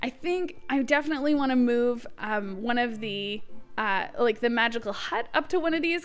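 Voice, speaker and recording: A woman's voice: sits high, fairly bright tone. A woman hosting a gaming video with casual, giggly commentary, chatting and thinking aloud as she plays.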